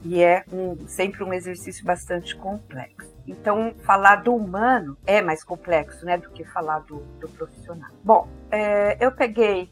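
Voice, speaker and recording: An older woman with a caipira accent from interior São Paulo speaks reflectively about herself in conversation, pausing thoughtfully to search for her words. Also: on the low side, faint music behind. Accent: caipira accent of interior São Paulo, with a strong R. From interior of São Paulo state, Brazil. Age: 50s or older. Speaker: interview guest.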